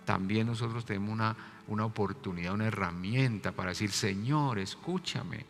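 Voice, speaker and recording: Emphatic pastor in an echoing church. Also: male voice, fairly low pitch, steady tone, quick pace. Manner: emphatic, repeats key words, swings between loud and soft. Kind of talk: sermon. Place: church sanctuary. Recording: reverberant church hall with faint music.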